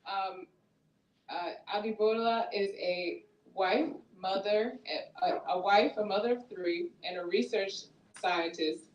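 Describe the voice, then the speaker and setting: A woman's voice: mid-range voice, takes it slowly, muffled recording, slight background noise. A woman hosting a small book event, upbeat and laughing as she introduces the author. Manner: upbeat, laughs often, reads the bio. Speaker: event host. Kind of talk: introducing a guest speaker. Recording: echoey room from a distance.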